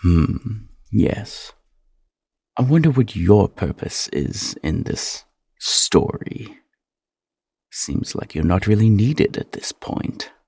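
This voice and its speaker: A man playing a sly, condescending courtier in a fantasy audio drama, talking in a mocking, unhurried way. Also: on the low side, big pitch swings, vocal fry, a little mellow, slightly rough, dry recording, studio quality, full character voice. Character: sly, condescending male courtier needling a rival.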